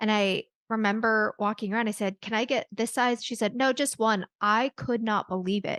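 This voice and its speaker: A woman's unremarkable speaking voice with an American accent, fairly high in pitch, at a moderate pace with hardly any pauses and fairly even intonation, dry and close with no echo over a quiet background. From US Midwest, Chicago (Chinatown). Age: 30s. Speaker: podcast guest. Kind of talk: casual chat.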